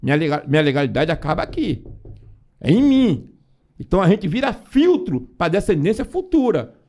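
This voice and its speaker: A man's voice: high-pitched, sing-song, normal speed, a little mellow. A man on a podcast speaking emphatically about faith, often addressing listeners directly. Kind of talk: casual preaching talk.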